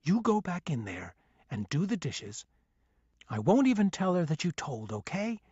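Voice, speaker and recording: A man doing an evasive, gruff father. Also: on the high side, animated, slow pace, dry recording, highs cut off. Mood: hushed urging. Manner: hushed, urging.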